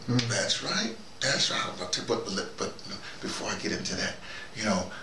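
An American man in his early sixties giving a rambling, informal monologue, halting and digressive, often repeating himself. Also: fairly low pitch, big pitch swings, gravelly. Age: early 60s. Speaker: vlogger. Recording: roomy, noisy, distant microphone.

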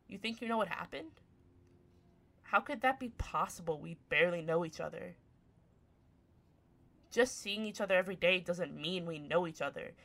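Bright-voiced, snappy tsundere catgirl played by a woman. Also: on the low side. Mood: irritated, dismissive. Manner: snappy, sarcastic, flustered. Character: grumpy tsundere young woman turned half cat. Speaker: voice actor. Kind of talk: ASMR roleplay, one-sided scripted dialogue.

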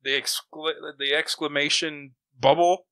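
A man co-hosting a podcast, chatting casually in an animated, opinionated way. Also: on the high side, a little slow, clean tone, no room sound. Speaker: podcast co-host. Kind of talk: casual chat about comic books and old radio shows.

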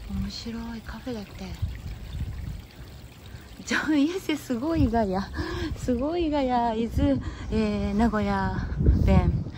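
A woman's voice: fairly high pitch, animated, measured pace. A Japanese woman hosting a casual live-stream walk through city streets, switching between English and Japanese and answering viewers' chat. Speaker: live-stream walking host. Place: city streets outdoors, windy. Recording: loud wind and street noise.

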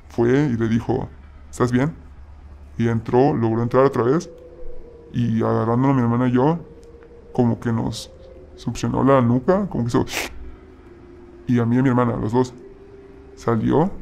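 A man telling a personal story in a halting way, often restarting his sentences. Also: mid-range voice, creaky, a little mellow, a little hiss or hum. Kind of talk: personal story told casually.

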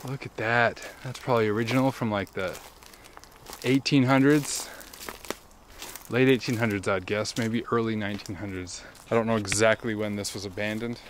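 A man in his thirties talking casually and excitedly as he walks through the overgrown grounds of a ruined palace, recorded outdoors on a clip-on mic. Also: on the low side, moderate pace, slight background noise. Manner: excited, chatty, wondering aloud. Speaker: travel vlogger. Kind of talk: casual walking commentary.

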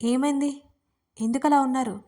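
A woman's voice: high voice, fairly even intonation, moderate pace, mellow, close to an everyday voice. A woman voicing a young man, an insistent and shaken fiancé, in a storybook reading. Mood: worried. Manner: pleading then insistent, raising his voice.

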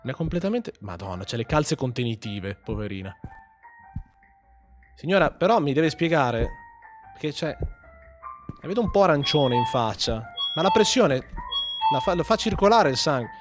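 A man giving joking, swearing commentary over a horror game, yelling when startled. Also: fairly high pitch, very animated, normal speed, pauses often, faint music behind. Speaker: gaming host. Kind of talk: horror let's play commentary.

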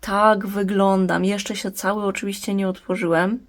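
A woman's voice: medium pitch, flat delivery, normal speed, close to an everyday voice. A woman speaking for a freshly blooming plant flower in a plain, matter-of-fact way, close to her own voice. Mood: proud.

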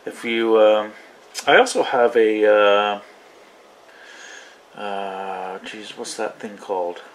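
A man talks casually through a hobby demonstration at a slow pace. He rambles a little, thinking aloud as he goes. It has the loose, informal feel of a home vlog. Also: lowish voice, slight background noise. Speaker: radio hobbyist demonstrating receivers. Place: small indoor radio desk.

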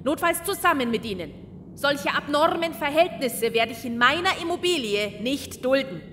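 A woman's voice: high-pitched, expressive, moderate pace, pushed and bright, in a large hall, a little hiss or hum. A woman playing a stern, indignant landlady with a pompous, scolding manner in an audio drama. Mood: stern, demanding. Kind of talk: German amateur audio drama acting.

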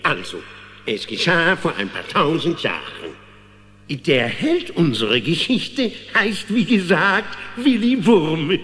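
A man's voice: on the high side, big pitch swings, slow, pushed and bright, in a large hall, exaggerated voice. An actor playing a jolly, tippling old woodworm who tells his story in a theatrical, chuckling, rambling way for a children's audio play. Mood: eager storytelling. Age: older.

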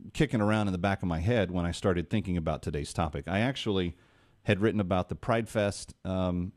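A man with a fairly low voice hosts a call-in radio show into a studio boom mic. He talks earnestly, restarting his sentences as he goes. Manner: earnest, animated hand gestures, many restarts. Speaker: radio talk show host.

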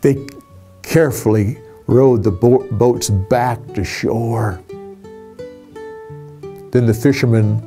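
A man in his sixties telling a Bible story from memory in a studio, animated and expressive, with small restarts. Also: medium pitch, takes it slowly, long pauses, soft background music. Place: indoor studio with a curtain backdrop.

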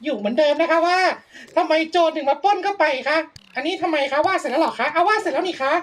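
Young woman, very high voice, casual gameplay commentary, chatty and polite, laughs often. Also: lively intonation, fast. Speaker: VTuber streamer.

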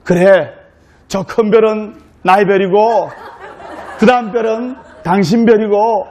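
A monk playing a romantic young Seoul groom who speaks softly and sweetly to his bride. He sounds doting and gentle. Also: sits high, steady tone, a little slow, slight background noise. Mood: tender.

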